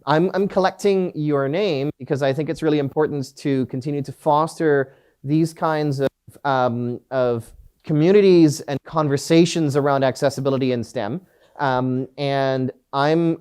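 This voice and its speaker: A middle-aged Canadian man gives a live conference presentation, joking at his own expense and frequently restarting with fillers. His mid-range voice sounds clean and a little mellow.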